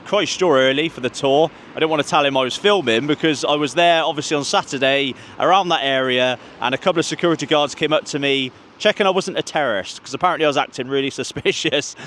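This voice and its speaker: A man's voice: mid-range voice, a bit bright, slight background noise. A man, walking city streets and chatting to viewers in a football travel vlog, holding a mic. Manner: chatty, addresses viewers as guys. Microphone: handheld mic, camera at arm's length.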